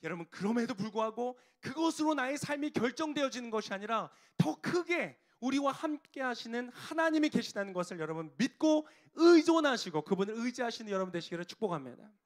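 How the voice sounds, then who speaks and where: High-voiced male pastor preaching. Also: sing-song, brisk, hardly any pauses. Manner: asks the congregation questions and answers them, addresses them directly. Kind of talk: sermon.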